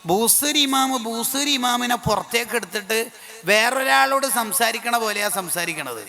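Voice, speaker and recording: A man preaching an Islamic sermon with a Kerala accent, swinging between soft low asides and high pleading cries. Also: animated, moderate pace, vocal fry, soft background music. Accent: Malayali, Kerala. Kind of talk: Islamic sermon with dramatic recitation.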